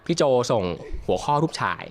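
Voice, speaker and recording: A man hosting a relaxed interview, asking playful teasing questions. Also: brisk. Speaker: host. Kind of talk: casual interview chat.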